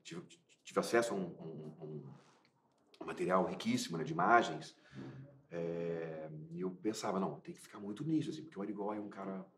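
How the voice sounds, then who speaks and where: A man from Minas Gerais, an actor answering interview questions in a relaxed, hesitant way with many restarts. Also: low voice, fairly quick, roomy sound, slight background noise. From Minas Gerais, Brazil. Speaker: actor interviewed about his film.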